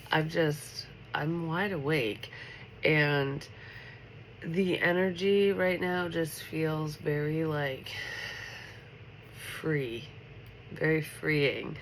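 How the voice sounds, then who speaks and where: A woman's voice: low voice, low-quality recording. A woman with a stuffy, congested nose gives a casual, chatty late-night tarot reading in an upbeat tone. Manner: chatty and upbeat, full of filler words. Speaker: tarot reader. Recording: steady background noise.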